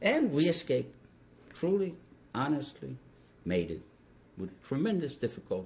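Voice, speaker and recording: A man speaks at a moderate pace with vocal fry, his pitch swinging very widely between long, frequent pauses. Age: 70s. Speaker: Holocaust survivor. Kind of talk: oral history interview. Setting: outdoors. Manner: halting.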